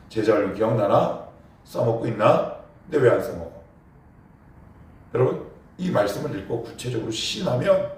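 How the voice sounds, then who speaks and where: A pastor giving an emphatic sermon at a morning prayer service, often asking the congregation questions and prompting them to answer. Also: male voice, lowish voice, darkish tone. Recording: very echoey church from far off.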